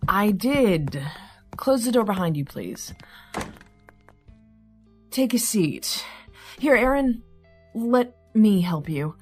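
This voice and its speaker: An actress playing a formal, suspicious woman in authority in an audio drama, firm and deliberate. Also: medium pitch, sing-song, darkish tone, faint music behind. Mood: brisk, polite.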